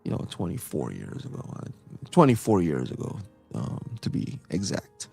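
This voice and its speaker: A middle-aged man from Trinidad with a Trinidadian accent, chatting casually as co-host, animated and quick to laugh, with plenty of fillers and restarts. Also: sits low, creaky, husky, soft background music. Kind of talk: casual chat.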